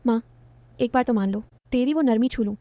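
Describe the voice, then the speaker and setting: A woman's voice: fairly high pitch, brisk, warm tone, no echo, close to an everyday voice. A woman voicing a coaxing young stepson. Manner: pleading, suggestive.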